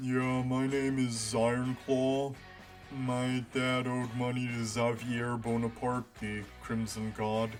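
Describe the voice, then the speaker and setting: Over clear background music, a put-on character voice delivers its lines at a fairly slow pace in a monotone, flat intonation. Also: man, medium pitch for a man. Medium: audio drama. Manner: casual, unsure.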